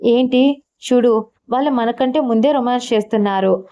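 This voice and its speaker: Woman reading as a gentle young bride. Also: fairly high pitch, normal speed, natural voice.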